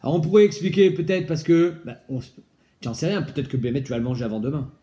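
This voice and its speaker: A man with a fairly high voice, leading a casual Talmud study session. He explains lively and keeps asking his student questions, with Hebrew and Aramaic terms sprinkled through his talk. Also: fast talker. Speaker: Talmud teacher.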